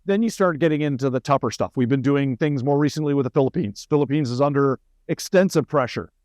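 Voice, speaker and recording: A middle-aged man with a Canadian accent, a senior military officer, appears as an interview guest and talks informally, explaining things through anecdotes and wry asides. His medium-pitched voice is fast and a little mellow. The recording is clean studio sound with no echo.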